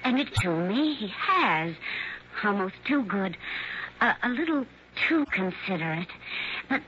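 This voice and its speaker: A woman's voice: mid-range voice, sing-song, pushed and bright. An actress playing an anxious, hesitant young wife in her twenties, in a 1960s radio drama. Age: 20s. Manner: halting, faltering, worried speech. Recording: dull old radio broadcast with faint hiss.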